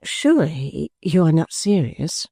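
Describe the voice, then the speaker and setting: A woman voicing a modest young daughter in a storybook, earnest, gentle and easily flustered. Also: deep voice, very animated, measured pace, creaky, husky, no room sound, clean studio sound, exaggerated voice.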